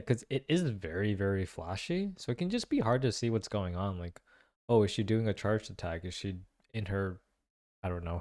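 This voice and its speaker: A man giving casual game reaction and analysis commentary, musing aloud with lots of questions and informal slang. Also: lowish voice. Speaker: reaction video host.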